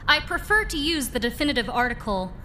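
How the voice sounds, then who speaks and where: Woman playing brash young masked heroine, bright, high-pitched, theatrical, cheeky, pulp radio drama. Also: sing-song, brisk, slight background noise, full character voice. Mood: cocky, teasing. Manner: cheeky, showy, self-assured.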